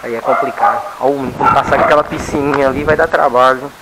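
A man's voice: medium pitch, steady tone, racing, heavy background noise. A man giving casual running commentary while he works with his dogs outdoors, coaxing and scolding them as he goes. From Brazil. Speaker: dog owner vlogger. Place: outdoor yard with dog kennels.

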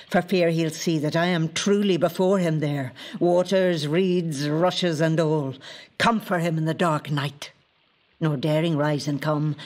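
A woman's voice: deep voice, darkish tone. A woman playing the possessive, capricious spirit of a lake in a poetic audio drama, speaking in an intimate, incantatory way. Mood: yearning, haunting.

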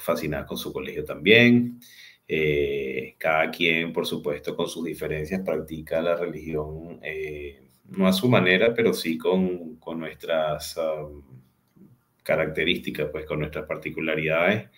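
A man in his forties with a Venezuelan accent, telling his life story as a guest on a video call, unhurried and full of hesitant fillers. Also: very deep voice, a bit bright. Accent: Venezuelan Spanish. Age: 40s. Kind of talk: personal storytelling in an interview. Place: home room with a large window. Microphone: video call webcam.

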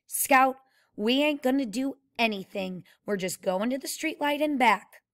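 A woman's voice: high-pitched, animated, unhurried, voice pushed up. A woman reading the lines of a bossy, impatient older brother of about twelve from a novel. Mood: reassuring. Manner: impatient, commanding. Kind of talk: read-aloud character voice.

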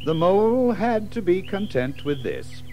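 A man's voice: high-pitched, sing-song, measured pace, a little mellow, soft background music. A man narrating a children's story in a theatrical, suspenseful manner. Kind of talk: dramatic scripted storytelling.

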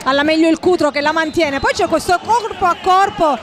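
Very high-pitched woman commentating on football. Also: fairly quick. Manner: wordy, formal phrasing with frequent hesitations. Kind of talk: live football play-by-play commentary.

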